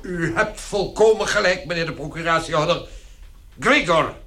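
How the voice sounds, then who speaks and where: High, blustering domineering father. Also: normal speed, bright, forceful tone, slight background noise. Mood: angry impatient. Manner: blustering, commanding. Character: domineering father, bossy at home, obsequious to superiors. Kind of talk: radio drama acting.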